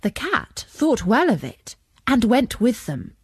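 A woman reading a children's story as narrator, expressive and measured. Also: fairly high pitch, husky, no room sound, clean studio sound.

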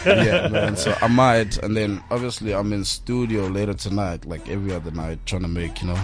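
South african man, laid-back rapper, low mumbling answers, music playing behind. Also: fairly even intonation, a little fast. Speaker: rapper guest. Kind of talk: freestyle rap and casual interview.

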